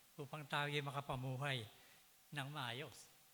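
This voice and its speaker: Audible room echo surrounds the voice. A man speaks with a bright, sharp tone. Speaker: preacher. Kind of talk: sermon.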